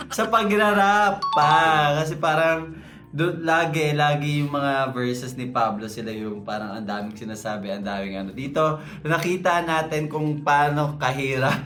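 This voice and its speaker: A man's voice: a little high, steady tone, moderate pace, a bit bright. A young man co-hosting a reaction video, chatting casually and thinking aloud as he goes. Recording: echoey room with music playing.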